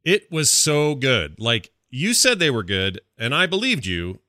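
A man's voice: medium pitch, wildly swooping pitch, a little slow, bright, forceful tone, dry recording, studio quality. A man hosting a casual gaming podcast, enthusiastic, slangy and rambling as he talks. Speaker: podcast host.

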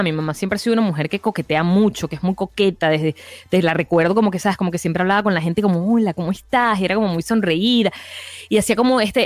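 A woman guest in casual podcast chat, frank and animated, who acts out the people she quotes. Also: mid-range voice, no echo.

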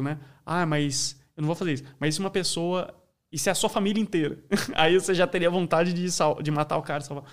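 A man talking in a casual podcast chat, an animated storyteller who says "né" and "daí" a lot. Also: on the high side. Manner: animated storyteller, acts out voices.

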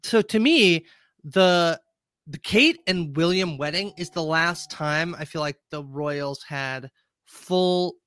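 A man in his thirties co-hosting a podcast, chatting in a relaxed, hesitant way with lots of agreeing. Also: on the high side, takes it slowly, clean tone, dry recording. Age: 30s. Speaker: podcast co-host. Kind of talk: casual chat.

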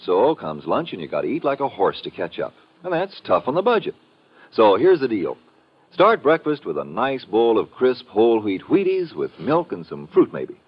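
A man's voice: medium pitch, slightly rough. An American man delivering a chatty, folksy 1950s radio commercial as the sponsor's announcer. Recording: dull vintage radio recording.

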